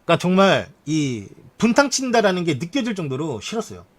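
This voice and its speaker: A man's voice: high voice, very animated, fairly quick. A man streamer reading news articles aloud on a live stream and adding frank asides to his chat.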